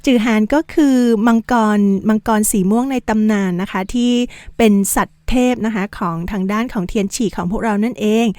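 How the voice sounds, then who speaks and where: A woman's voice: mid-range voice, fairly quick, few pauses, a little mellow, no room sound, clean studio sound. A woman casually retelling a novel as a show host, chatty, with friendly asides to her listeners. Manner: chatty, sprinkles polite particles and asides. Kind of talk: casual storytelling recap.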